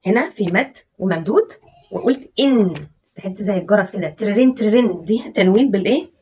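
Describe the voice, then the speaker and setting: A woman's voice: mid-range voice, lively intonation, a little mellow, husky. A woman teacher with an Egyptian Arabic accent, sounding out letters one by one for children in a patient, coaxing tone. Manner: stretches syllables out slowly, sounding letters one by one. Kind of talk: children's spelling and dictation lesson.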